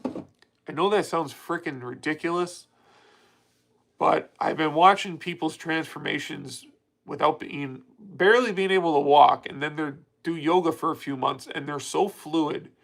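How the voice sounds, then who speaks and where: A man's voice: fairly high pitch, measured pace, creaky, fairly bright tone, poor audio. A man in his late thirties hosting a casual livestream, talking candidly and rambling with frequent restarts as he answers viewer comments. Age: 30s. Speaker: livestream host.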